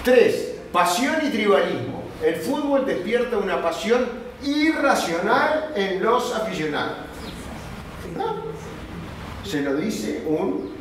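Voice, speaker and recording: The man you would hear at an evening literature class from the back row of a very echoey room, lecturing in a high voice and checking in with everyone. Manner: conversational, peppered with questioning tags to the class. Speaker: literature workshop teacher. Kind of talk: informal lecture, reading notes aloud with asides. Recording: echoey room, distant mic, faint noise.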